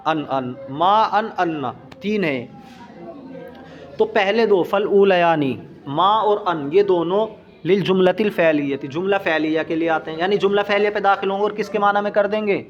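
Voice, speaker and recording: A man teaching an Arabic grammar lesson as a teacher. He reads the text slowly, explains it quickly and asks his students questions. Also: sits high, muffled recording.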